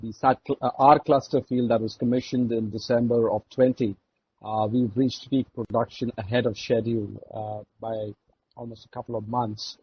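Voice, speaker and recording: Male executive, Indian accent, formal business report, hesitant measured delivery, rough-edged husky tone, dull conference audio. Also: mid-range voice, level tone. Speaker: oil and gas executive. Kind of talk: earnings call presentation. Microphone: conference call line.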